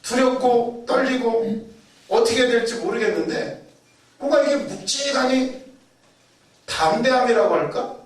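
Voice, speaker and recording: High-voiced preacher man, very echoey. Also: unhurried, pauses often. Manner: animated storytelling, acting out quoted voices and shouts; repeats key words for emphasis. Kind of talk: sermon. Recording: very echoey, mic far off.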